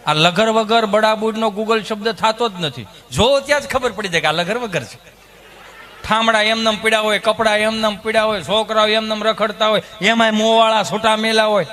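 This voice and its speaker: A man with a Kathiawadi Gujarati accent telling comic stories in a stand-up set, animated and mimicking the people in them. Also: high voice, normal speed. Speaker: stand-up comedian. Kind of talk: stand-up comedy storytelling.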